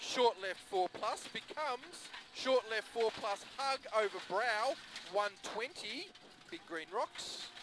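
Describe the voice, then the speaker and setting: A loud, high-pitched man with an Australian accent, very slow, with lively intonation, in a dry sound with no echo and noticeable background noise. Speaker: rally co-driver. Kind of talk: pace note calls. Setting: in a rally car at speed. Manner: clipped, terse, machine-gun delivery of turn codes; urgent and loud, repeating calls for emphasis. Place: car. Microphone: headset.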